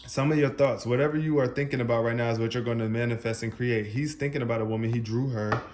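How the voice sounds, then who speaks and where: A man giving an animated, spontaneous tarot reading, talking straight to his viewers and laughing often. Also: medium pitch, fast. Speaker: tarot reader.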